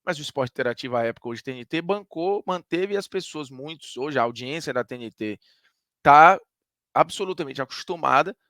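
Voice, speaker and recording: A man's voice: on the high side, expressive, moderate pace, pushed and bright, dry recording, clean studio sound. A man from Ceará with a Northeastern Brazilian accent, a sports commentator giving an emphatic, conversational opinion monologue that argues point by point.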